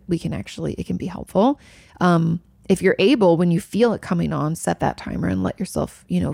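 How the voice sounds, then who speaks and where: A woman in her thirties talks through viewer questions like a therapist, loose and chatty, restarting her sentences often. Her voice sits low with a gravelly fry. The sound is dry, with no room echo. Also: a little mellow. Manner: chatty, explains with many fillers and restarts. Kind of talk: casual advice talk.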